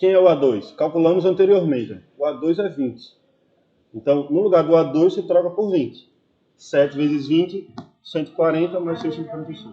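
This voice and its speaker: His voice sits high for a man, with ordinary pitch variation and big swings in loudness. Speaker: math teacher. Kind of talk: lecture. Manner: fast.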